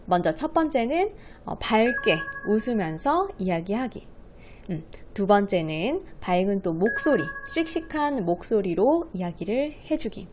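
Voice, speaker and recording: A woman speech coach explains public speaking to young schoolchildren in a patient, friendly way. Her voice sits at an ordinary middle pitch for a woman. She talks while writing on a board. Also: sing-song, unhurried, music in the background. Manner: friendly, patient teacher voice addressing children. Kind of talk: lesson for schoolchildren.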